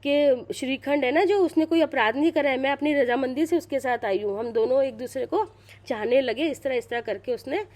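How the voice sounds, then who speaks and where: A high-pitched middle-aged woman narrating a sacred tale to a small group. She talks casually and loosely, circles back over her words and restarts sentences, and stops now and then to check that everyone is following. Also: fairly quick, a little mellow. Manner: chatty, repeats and restarts, checks listeners follow. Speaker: storyteller retelling a Purana. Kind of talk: casual religious storytelling.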